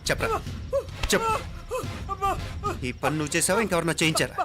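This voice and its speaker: An actor playing a stern young hero who firmly questions a servant in a comedy film scene. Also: male voice, on the high side, huge pitch swings, a little fast, over loud music. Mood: furious. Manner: firm, interrogating. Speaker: hero, son-in-law of the house. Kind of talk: dramatic film acting.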